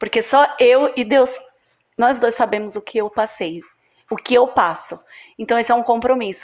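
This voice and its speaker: This woman's voice is high in pitch. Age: 30s. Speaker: pastor. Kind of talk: casual chat.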